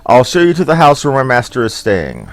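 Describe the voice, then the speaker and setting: Ein Mann liest einen flehenden jungen Knappen. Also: male voice, medium pitch, huge pitch swings, brisk. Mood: pleading. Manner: pleading, polite. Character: anxious young squire pleading for help.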